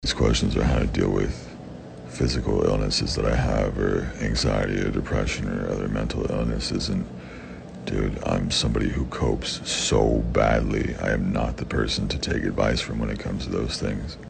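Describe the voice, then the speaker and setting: A young man with a very deep, raspy voice, answering fan questions in blunt, profane casual talk. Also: fairly even intonation, normal speed. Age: young adult. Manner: blunt and profane, with frequent swearing. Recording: background noise.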